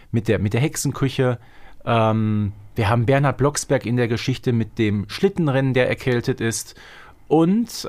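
Medium-pitched man, emphatic podcast chat. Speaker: podcast co-host. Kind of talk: casual conversational discussion.

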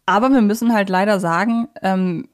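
A woman's voice: medium pitch, moderate pace. Chatty woman co-hosting a podcast. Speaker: podcast co-host. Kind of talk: casual conversational discussion of audio dramas.

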